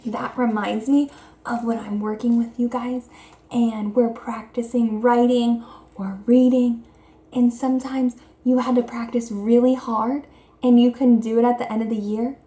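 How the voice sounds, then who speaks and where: A woman with a fairly high voice teaches young children through a read-aloud. She speaks slowly and expressively, explaining things in simple words. The recording is roomy and echoey. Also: flat delivery, warm tone. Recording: roomy, echoey indoor sound.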